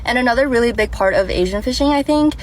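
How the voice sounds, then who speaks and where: A woman's voice: on the high side, animated, fast talker, slight background noise, low-quality recording. A woman from China giving an earnest, casual explanation to camera in a short social video, with frequent fillers. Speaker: TikTok creator.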